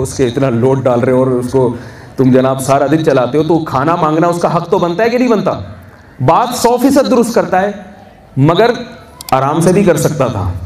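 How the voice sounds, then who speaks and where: Cleric preaching in an echoey hall. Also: male voice, on the high side, darkish tone. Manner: conversational, asks the audience questions and answers them. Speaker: religious scholar. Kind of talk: sermon to a gathering. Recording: echoey hall from a distance, faint noise.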